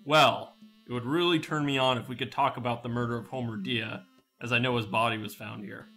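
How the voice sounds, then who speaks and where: A man's voice: mid-range voice, fairly even intonation, brisk, sharp tone. An actor playing a wry, slightly awkward male detective in a sci-fi radio drama, dry and hesitant.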